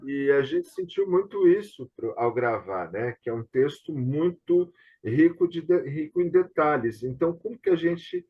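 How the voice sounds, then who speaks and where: A Brazilian host and theatre director speaks with a husky voice on the high side, lively in intonation, a little slow and with few pauses. Hosting a casual online discussion, he explains things and often checks for agreement with tag questions. The video-call audio is dull and lo-fi.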